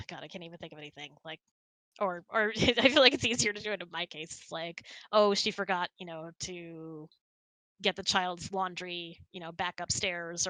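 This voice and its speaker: A woman's voice: on the low side, sharp tone, no echo, rough recording. A middle-aged woman in casual conversation, talkative and explanatory as she hosts and answers questions. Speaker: host of a couple's hangout. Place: close, dry room on an online voice chat.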